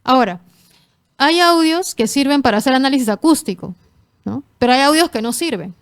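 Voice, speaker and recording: A woman answers interview questions as a forensic linguist. She speaks in a slightly high voice and explains things patiently, working through examples. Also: lively intonation. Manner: measured and explanatory, gives examples.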